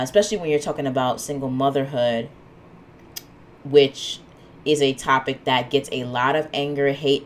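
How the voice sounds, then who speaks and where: On her solo podcast, this host loosely rambles about her plans, sprinkling in many fillers and side remarks, a bit sniffly from a cold. Her voice rumbles low over slight background noise.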